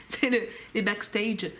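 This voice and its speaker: A young woman with a French accent, chatting casually to her viewers as she unboxes a subscription box, giggling and breaking into quick asides. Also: fairly high pitch, a bit bright.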